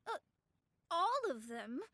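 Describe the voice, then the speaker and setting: A woman's voice: sits high, very animated, takes it slowly, very noisy, heavily acted. A woman playing a proud young astrologer in an anime video game, pompous and formal but easily flustered.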